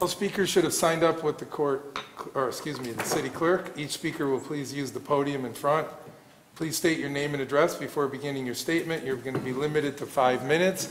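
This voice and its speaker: Over light background noise, a man talks fairly quickly with fairly even intonation. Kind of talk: formal meeting procedure announcement. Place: hall. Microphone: podium.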